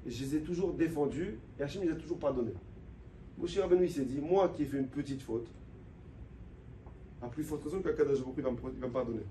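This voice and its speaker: Male rabbi preaching with fervor and repetition; high voice in a reverberant hall. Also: fast, long pauses, recorded from a distance, slight background noise. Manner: impassioned, swings from low and quiet to loud and high; addresses the listeners directly, repeats phrases for emphasis. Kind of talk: sermon. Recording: echoey room with faint background ambience.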